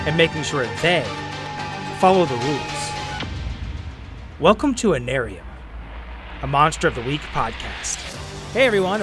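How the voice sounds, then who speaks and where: A man hosting a podcast, narrating an introduction and a casual recap. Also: on the high side. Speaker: podcast host. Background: background music under the voice.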